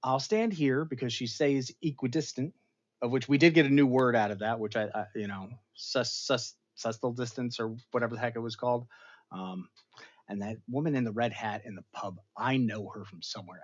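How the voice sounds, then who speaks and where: A chatty male host tells the story of an episode to his chat, animated and prone to dramatic bursts. His voice sits mid-range, and the recording sounds somewhat dull and lo-fi. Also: mid-range voice, moderate pace. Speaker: show host reviewing an episode. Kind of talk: casual recap to a live chat.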